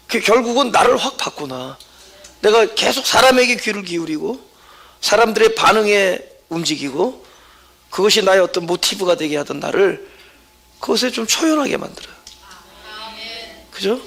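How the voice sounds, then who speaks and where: A man's voice: high voice, sing-song, moderate pace, long pauses, fairly bright tone. A man preaching a Sunday sermon as pastor at a church service, talking conversationally and often checking in with the congregation.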